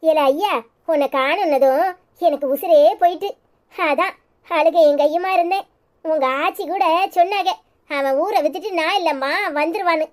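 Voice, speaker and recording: A woman's voice: extremely high pitch, normal speed. A woman voicing a fierce, tearful village mother in a cartoon, with a Tirunelveli Tamil accent. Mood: worried. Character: emotional, fiery village mother. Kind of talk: cartoon voice acting.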